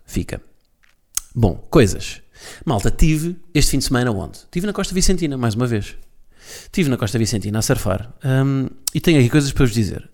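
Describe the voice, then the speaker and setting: Solo podcast host, Portuguese man, loose comic rambler, mid-pitched. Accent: European Portuguese. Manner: rambling, joking, self-correcting asides. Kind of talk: casual solo podcast monologue. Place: at home alone.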